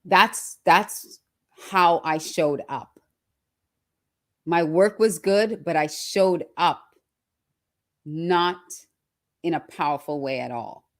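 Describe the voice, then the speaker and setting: A woman's voice: sits low, slow pace, pauses often. A woman from Trinidad and Australia giving a motivational talk as personal storytelling, emphatic and repeating phrases for effect. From born in Trinidad, raised in Australia from early childhood. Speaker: personal branding speaker.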